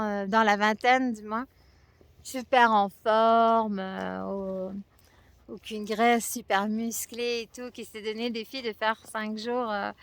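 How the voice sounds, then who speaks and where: A woman's voice: medium pitch, creaky, smooth. A woman from France and Quebec with a Québécois French accent, hesitantly talking through a personal experience to camera outdoors. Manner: hesitant, many pauses and fillers. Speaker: vlogger sharing a fasting experience. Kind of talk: reflective personal talk to camera. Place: outdoors at a spot near hummingbirds.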